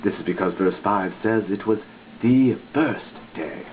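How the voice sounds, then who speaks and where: Tinny lo-fi audio w faint noise, guy doing a theatrical reading of religious text, deliberate and emphatic. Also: on the low side. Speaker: reader. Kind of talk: dramatic reading of a religious dissertation. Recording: muffled lo-fi phone-like sound, background hiss.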